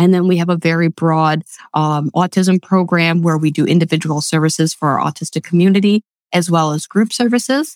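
Recorded with a dry, close sound and no echo, a woman with an American accent has a plain, everyday voice, fairly low pitch, ordinary pitch variation and a fairly quick pace. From Western New York, Webster. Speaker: behavioral health clinic co-founder. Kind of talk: casual interview.

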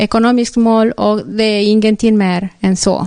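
A woman talks at a moderate pace in a fairly high pitch. Her tone is dark and mellow. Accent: Spanish. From northern Argentina. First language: Spanish (speaking Swedish). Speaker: audience member. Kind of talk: Q&A comment. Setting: seminar with live audience. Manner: halting.

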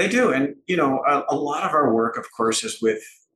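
A man with a Canadian Maritime accent, a bright, sharp tone and a moderate pace. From Canada, Halifax, Nova Scotia. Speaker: forensic accountant and private investigator. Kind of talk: interview.

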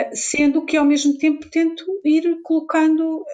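A woman with a European Portuguese accent, at a moderate pace. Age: 40s. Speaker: pastor's wife and author. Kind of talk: podcast interview.

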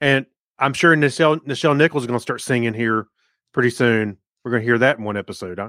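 A man at a medium pitch talks at a very fast pace with ordinary pitch variation, in a dry, close sound with no echo. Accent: American. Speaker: podcast co-host. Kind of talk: casual chat.

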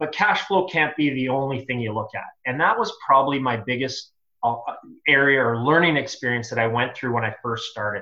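A normal speaking voice with a Canadian accent, at a fairly quick pace with ordinary pitch variation. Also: man, medium pitch for a man. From Edmonton, Canada. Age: 40s. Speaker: real estate investor. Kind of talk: interview.

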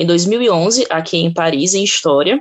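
A woman is speaking. Her intonation is lively. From Northeast Brazil (Aracaju, then Fortaleza). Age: 30s. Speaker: art student. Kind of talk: interview. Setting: video call. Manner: halting, many fillers and repetitions.

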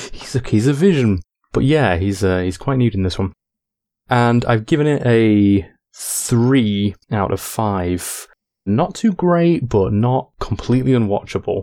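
On a very clean recording with a silent background, a man with an English accent speaks at a fairly slow pace, his medium-pitched voice dark and mellow in tone with lively intonation. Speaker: tabletop game designer. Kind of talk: casual chat. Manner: self-described awkward.

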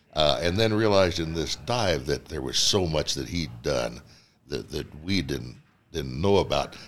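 With a very deep, low pitch and vocal fry, a man talks at a fairly slow pace using lively intonation. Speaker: radio voice artist and agricultural liaison. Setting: radio studio.

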